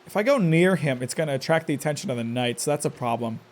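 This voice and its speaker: A man's voice: a little high, animated, fast. A man commenting on his own game live, stressed, talking to himself and cursing at enemies with sudden outbursts. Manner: talks to himself, curses at enemies, jumpy outbursts. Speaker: streamer playing a game live.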